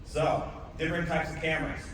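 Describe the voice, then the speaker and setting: A man's voice: on the high side, level tone, brisk, fairly bright tone. A man giving a casual workshop talk to a live audience, often checking in with "okay?". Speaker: workshop presenter. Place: conference room, speaking to a live audience. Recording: echoey room recorded from far off, noisy.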